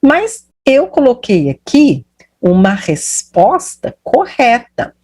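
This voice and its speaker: A woman from Brazil teaching a basic English lesson, drilling phrases with repetition and lively intonation. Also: on the high side, slightly rough. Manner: slow, emphatic drilling with repeated phrases; lively rising and falling intonation.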